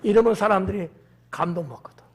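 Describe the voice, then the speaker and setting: A man preaching a sermon as pastor of his church, acting out quotes and swinging from shouts to hushed whispers. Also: high voice, fast, crowd noise. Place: church sanctuary.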